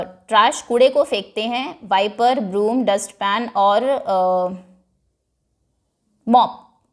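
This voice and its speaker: A woman teaching a children's textbook lesson, giving each English line again in Hindi and reading the sentences slowly and deliberately. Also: fairly high pitch, darkish tone.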